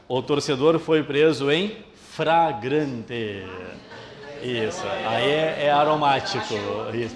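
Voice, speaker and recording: Friendly man teaching exam prep. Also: mid-range voice. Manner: friendly, addresses the audience as "pessoal".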